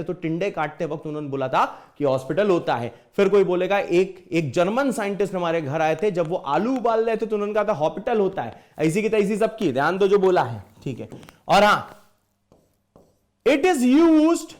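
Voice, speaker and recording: A man's voice: sits high, a little fast. A middle-aged man teaching maths in an online exam-prep lecture, playful and jokey, calling his students "beta".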